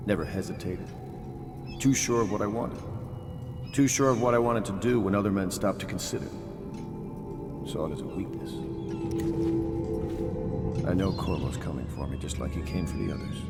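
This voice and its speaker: A proud, fallen admiral broods over his ruin in a low, dramatic voice. His delivery is grave and theatrical, as in a story-driven video game, rising and falling with bitterness. It rings with long reverb. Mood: bitter, resigned. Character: proud, bitter, guilt-ridden naval admiral and fallen conspirator.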